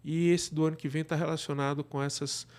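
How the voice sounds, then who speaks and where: A Brazilian man talks as a guest in a casual interview. His voice sits slightly high for a man and has a strong fry in it. He explains in a halting way, often tagging his phrases to check for agreement. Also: little pitch movement, darkish tone. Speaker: podcast guest, radio drama producer.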